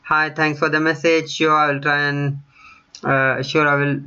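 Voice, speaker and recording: A man's voice: fairly high pitch, flat delivery, a little slow, bright, forceful tone, clear, resonant tone, dull audio. A man in his thirties with a mixed Indian and British accent, chatting casually to his channel while reading viewer comments, with lots of ums and restarts. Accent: Indian with British mix. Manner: chatty, many ums and self-corrections. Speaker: tech YouTuber. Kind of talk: casual screen-share vlog reading comments. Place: small room at home, indoors.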